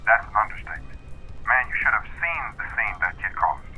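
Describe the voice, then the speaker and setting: An actor playing a frank, world-weary police officer over a telephone in an audio drama, blunt and confiding. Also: male voice, fairly low pitch, very animated, fairly quick, sharp tone, soft background music, exaggerated voice, low-quality recording. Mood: astonished. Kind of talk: naturalistic audio drama acting.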